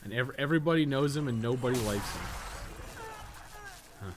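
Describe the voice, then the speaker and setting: Speaking at a medium pitch and a little fast, a male livestreamer who also co-hosts a podcast rambles casually through gaming commentary. Slang and swearing come often, and the recording carries noticeable background noise.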